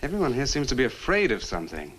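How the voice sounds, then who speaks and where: Courteous, skeptical young male lead, mid-pitched, earnest, vintage horror picture with faint noise. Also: wildly swooping pitch, quick pace, a bit bright. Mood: uneasy, probing. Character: earnest, polite young man investigating a disappearance. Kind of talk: 1960s horror film acting. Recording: noisy old film soundtrack.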